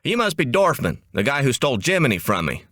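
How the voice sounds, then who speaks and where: Man putting on a cocky, raised-pitch office rival. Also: huge pitch swings, fast, a bit bright, dry recording, clean studio sound. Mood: jovial needling. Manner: chummy, needling. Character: cocky, jovial short mustached male ad rival. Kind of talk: comic audiobook dialogue.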